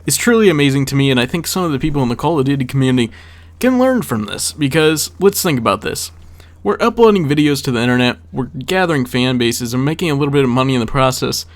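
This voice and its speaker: A man's voice: medium pitch, lively intonation, fast. A man narrating a personal story as casual gameplay commentary, speaking conversationally to his viewers and repeating words for emphasis. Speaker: gaming video creator. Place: voice-over for a gameplay video.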